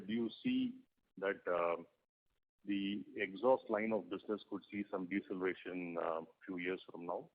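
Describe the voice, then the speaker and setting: A low-pitched male voice over a tinny telephone connection. He is an investor putting questions to management, politely and with somewhat hesitant phrasing. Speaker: individual investor asking questions. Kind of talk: conference call questions. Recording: tinny phone conference line.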